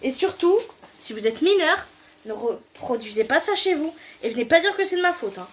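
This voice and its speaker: A woman's voice: sits high, big pitch swings, moderate pace, slight background noise. A young woman with a southern French accent chatting casually at home while doing a DIY hair treatment, giggling and swearing loosely. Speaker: beauty vlogger. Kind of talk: casual chat.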